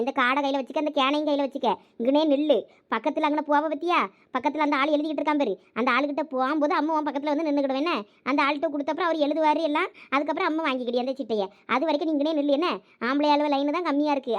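A woman's voice: high voice, steady tone, very fast, lo-fi sound. A woman with a Thoothukudi Tamil accent in a village comedy skit, bossy and scolding.

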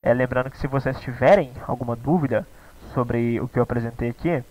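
A man's voice: mid-range voice, fairly quick, darkish tone, low-quality recording. A young man with a Brazilian Portuguese accent, teaching a live online English class in a casual, chatty way, often checking in with his students.

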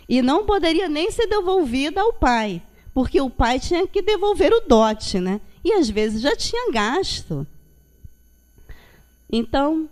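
High-voiced woman giving a talk. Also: darkish tone. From Brazil. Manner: reflective, frequent checking tags. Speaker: guest lecturer at a Spiritist centre. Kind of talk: religious public talk, informal and conversational. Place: meeting hall with projection screen.

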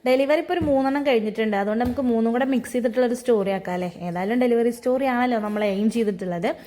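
A woman's voice: on the high side, rapid-fire, mellow. A woman, chatting casually in a vlog, with many fillers and friendly tags. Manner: chatty, frequent fillers and tag "ട്ടോ". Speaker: vlogger.

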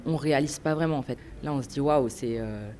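A woman restaurant owner answering interview questions, excited and laughing often. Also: very deep voice, fairly quick, a little hiss or hum.

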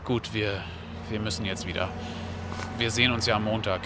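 Low-voiced, easygoing man played by an actor. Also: steady tone, moderate pace, noisy background, lightly acted. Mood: casual. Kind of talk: audio drama acting.

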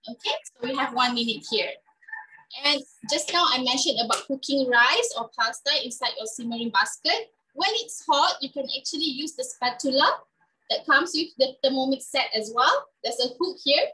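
A woman's voice: high-pitched, animated, normal speed, bright, forceful tone, far from the mic, poor audio. A woman giving a chatty live cooking demonstration in a kitchen, often checking in with "okay?".

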